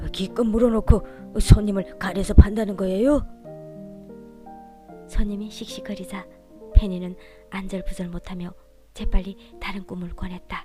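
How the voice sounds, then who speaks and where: Soft-spoken and calm, a woman talks at a fairly slow pace and medium pitch with fairly even intonation, long, frequent pauses and big swings in loudness, with music in the background. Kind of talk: audiobook novel reading for sleep. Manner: calm, soft-spoken.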